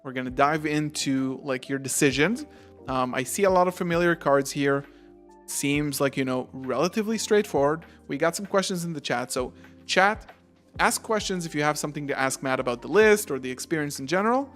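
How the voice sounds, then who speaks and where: A man hosting a livestream interview, talking in a relaxed, chatty way full of fillers. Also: a little high, a little fast, soft background music. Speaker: host, interviewer.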